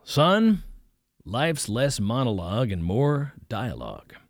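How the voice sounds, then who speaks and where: A gruff older preacher, as a male reader puts him on, blunt and folksy, barking orders with a raised, commanding voice. He sits in a dry, close-miked sound with no room around it. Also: medium pitch, sing-song, slow, no echo, heavily acted. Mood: stern.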